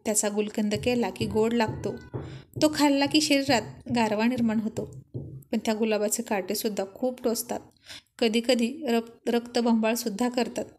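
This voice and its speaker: A woman voicing a shy but quick-witted young wife who banters playfully with her husband. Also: on the high side, steady tone, darkish tone, lightly acted. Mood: tender. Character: shy, witty young wife, easily flustered.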